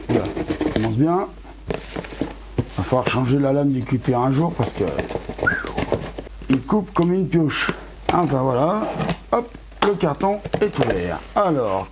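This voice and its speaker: A man's voice: mid-range voice, heavy background noise. A middle-aged man casually unboxing astronomy gear for his channel, chatty, talking straight to his viewers, a bit tired and losing his voice. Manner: chatty, self-correcting, addresses viewers. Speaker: amateur astronomy YouTuber.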